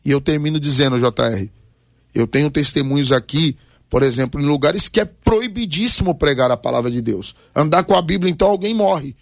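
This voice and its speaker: A man's voice: a little high, animated, a little fast, dry recording, clean studio sound. A Brazilian man in his forties, a pastor giving personal testimony and exhortation on a talk programme in short, emphatic, preacherly phrases. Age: 40s. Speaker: pastor, guest on a radio debate.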